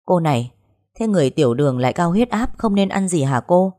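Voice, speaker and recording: Woman reading a nervous, deferential young daughter, low-pitched. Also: animated, a little fast, warm tone, natural voice. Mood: worried. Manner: polite, hesitant. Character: anxious polite young woman, worried daughter.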